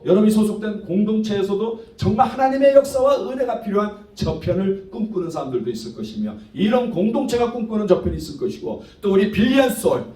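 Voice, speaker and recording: Guy pastor preaching, voice swoops up and down, english words mixed in, echoey and far from the mic. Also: high voice. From Korean diaspora, 1.5-generation immigrant. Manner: mixes English words and phrases into Korean; animated, rhetorical questions to congregation. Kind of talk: sermon. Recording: roomy, distant microphone.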